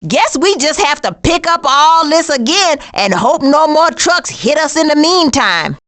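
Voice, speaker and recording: A woman voicing a sassy, streetwise, sarcastic female skunk with slangy wisecracks in an animated video game. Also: high-pitched, a little slow. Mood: wry.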